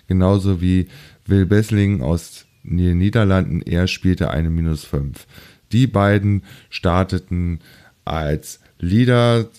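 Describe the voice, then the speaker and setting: A man hosting a golf show, reporting results semi-scripted with hesitant, drawn-out phrasing. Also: sits low, mellow.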